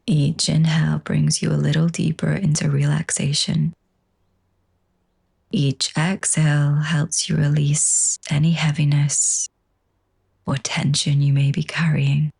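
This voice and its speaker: This is a woman guiding a slow yoga nidra session with gentle calm. Soft, husky and breathy, her voice stays low and level, hushed and soothing.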